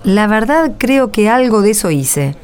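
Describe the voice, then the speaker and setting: A woman's voice: mid-range voice, very animated, unhurried, darkish tone. A woman playing a worried, weary young mother in a radio drama, speaking hesitantly with an Argentine accent. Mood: troubled, weary. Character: Jimena, worried poor young mother, humble, weary, grateful.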